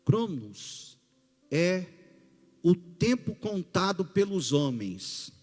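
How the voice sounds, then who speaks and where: A male pastor with a Brazilian Portuguese accent, preaching a sermon in a slow, emphatic way with rising bursts. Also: high voice, sing-song, a little mellow. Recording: long hall reverb with faint music.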